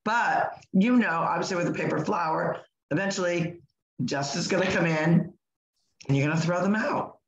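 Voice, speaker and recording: An older woman with a hoarse voice co-hosting a live podcast, chatting in a rambling way with lots of restarts, over a video call from home. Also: lowish voice, moderate pace, echoey room, muffled recording, a little hiss or hum. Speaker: podcast co-host. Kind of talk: casual live podcast chat.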